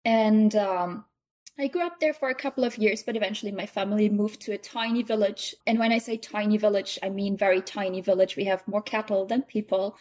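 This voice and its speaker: A woman's voice: medium pitch, fairly even intonation, fairly quick, darkish tone. A young woman from Germany, a scientist guest answering interview questions modestly and thoughtfully. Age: young adult. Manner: modest, thoughtful, laughs often. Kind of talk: podcast interview.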